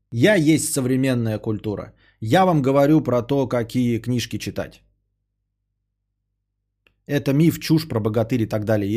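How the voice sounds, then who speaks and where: A man's voice: medium pitch, mellow, slightly rough. A man, a podcaster and streamer, ranting in a sarcastic, indignant tone and swearing freely as he answers a viewer.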